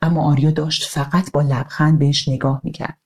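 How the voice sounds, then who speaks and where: A woman narrating a children's audiobook in a calm, even storytelling manner over guitar music. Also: low-pitched, slightly rough.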